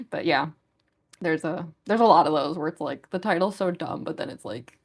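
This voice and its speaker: A young woman with a gruff voice that is going hoarse, chatting casually with viewers on a livestream in a rambling way full of fillers. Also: on the low side, expressive, a little slow. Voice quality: gruff, smoker-like voice. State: losing her voice. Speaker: livestream artist. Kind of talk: casual chat with stream viewers.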